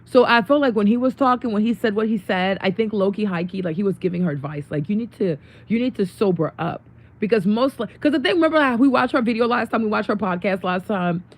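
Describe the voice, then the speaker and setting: Woman, young adult, hoarse voice, casual livestream host, chatty, laughs often. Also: medium pitch, expressive, quick pace. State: losing her voice. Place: home room.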